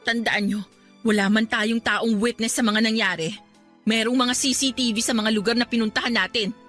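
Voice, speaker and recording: Woman acting as a bright-voiced, defiant young employee. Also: fairly high pitch, steady tone, normal speed, soft background music, natural voice. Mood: angry, defiant. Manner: indignant, polite but assertive. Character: wronged, defiant young female employee and student. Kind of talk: Tagalog radio drama acting.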